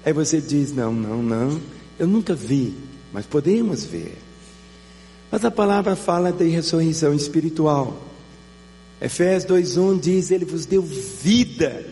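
High, gravelly Brazilian pastor preaching. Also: male voice, dark tone. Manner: emphatic preaching with repeated rhetorical questions. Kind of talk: sermon. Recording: reverberant hall with faint mains hum.

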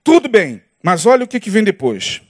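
A male Brazilian pastor preaches to his congregation in a high, very expressive voice that leaps up and down. He keeps throwing rhetorical questions at his listeners. The recording is dry and close, with little room sound. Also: normal speed, no room sound. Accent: Brazilian Portuguese. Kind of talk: sermon. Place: church service with congregation.

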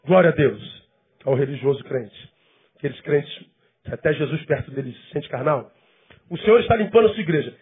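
A man's voice: fairly high pitch, phone-quality sound. A male pastor giving a conversational sermon full of rhetorical questions.

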